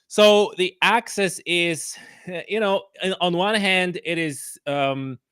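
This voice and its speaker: A man from Poland with a Polish accent, explaining things haltingly as a guest in a casual interview. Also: fairly high pitch, a bit bright, smooth, dry recording, studio quality. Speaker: podcast guest.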